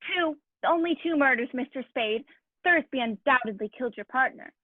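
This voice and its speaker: A woman playing a fussy, excitable male criminal associate, precise and indignant, in a noir radio play. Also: sits high, moderate pace. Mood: prim, correcting. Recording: thin, tinny phone-like sound.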